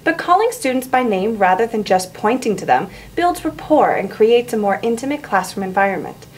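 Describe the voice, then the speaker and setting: A woman teacher giving clear, encouraging instruction, in the style of a lesson. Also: on the high side, lively intonation, a little fast. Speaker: English teacher. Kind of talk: instructional narration and classroom teaching. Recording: roomy echo, faint background noise.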